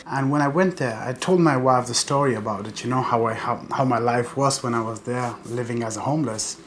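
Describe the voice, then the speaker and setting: A man's voice: medium pitch, a little fast, a little hiss or hum. A man from Afghanistan, a professional bodybuilder, telling his life story in an earnest, determined interview monologue.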